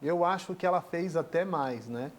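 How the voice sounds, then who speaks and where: A Brazilian man with a fairly high voice tells a personal family story on a talk show. He speaks earnestly and slips into the voices of the people he describes. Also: moderate pace. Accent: Brazilian Portuguese. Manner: earnest, acts out dialogue in the retelling. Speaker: guest.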